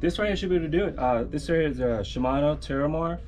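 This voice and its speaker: A man's voice: fairly high pitch, very fast, darkish tone. Easygoing tackle shop guy. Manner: easygoing, with many fillers. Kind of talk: casual product explanation.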